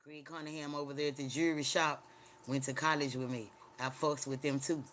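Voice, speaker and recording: Bright-voiced Southern Black-accented man, country talk. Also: fairly high pitch, flat delivery, fairly quick, a little hiss or hum. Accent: Southern African American English, Mississippi. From Mississippi, USA. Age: middle-aged. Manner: rambling, profane, blunt country talk with repeated phrases. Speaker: livestreamer. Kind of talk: casual livestream chat.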